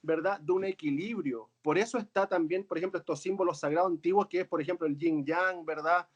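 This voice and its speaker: A man's voice: a little high, a little fast, muffled recording. A man, a coach and author, talking earnestly and reflectively in a conversation, often checking in with "¿verdad?". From Chile. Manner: earnest, tags phrases with "¿verdad?".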